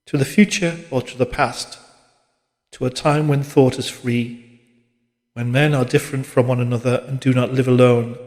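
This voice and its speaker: A man reading literary fiction as an audiobook narrator, in a measured, dramatic manner. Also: mid-range voice, a little mellow. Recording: long reverberant hall-like echo.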